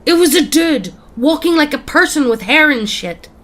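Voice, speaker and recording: A woman voicing a panicked young man who sobs and shouts in terror while telling a horror story. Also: high voice, animated, moderate pace, pitched above the performer's own voice. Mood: terrified, sobbing.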